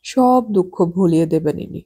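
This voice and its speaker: A woman voicing a middle-aged wife who teases and scolds her husband with a sharp tongue. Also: on the low side, normal speed, slightly rough. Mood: teasing.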